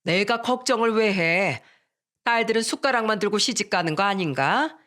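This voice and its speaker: A woman's voice: mid-range voice, animated, normal speed, a bit bright, close to an everyday voice. A storyteller voicing a pushy, greedy middle-aged mother-in-law who talks down in a brazen, condescending way. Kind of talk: storybook narration.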